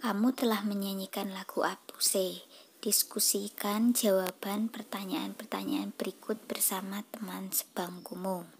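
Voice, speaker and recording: A woman reading a schoolbook lesson aloud to children, patient and soft, half-whispering. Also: medium pitch, animated, slight background noise. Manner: slow, patient, addresses children directly. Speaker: teacher.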